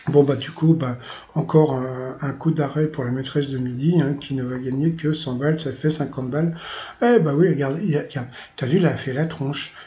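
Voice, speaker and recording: A man's voice: medium pitch, brisk, warm tone. A man from Paris, hosting his own channel, casually recapping a TV quiz show in a chatty, rambling way full of filler words and amused asides. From Paris, France. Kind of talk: casual spoken recap commentary.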